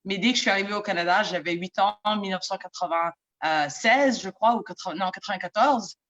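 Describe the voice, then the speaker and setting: A woman's voice: mid-range voice, a little fast, a bit bright, muffled recording. A Somali-born woman in her thirties, a native Somali speaker, speaking earnestly on a panel and repeating words as she searches for them. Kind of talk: panel discussion remarks. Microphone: video call.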